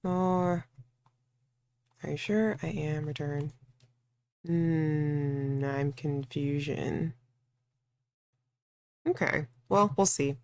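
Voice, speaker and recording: A woman's voice: deep voice, drawn-out words, long pauses, darkish tone. A woman playing a visual novel and commenting casually, thinking aloud in a playful, slangy, informal way. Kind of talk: casual let's play commentary with read-aloud game dialogue.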